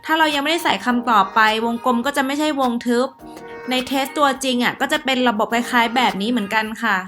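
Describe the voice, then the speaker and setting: A young adult woman giving study tips in a casual tutorial vlog, chatty, with frequent soft polite sentence endings. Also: high-pitched, fast. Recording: roomy echo with faint background music.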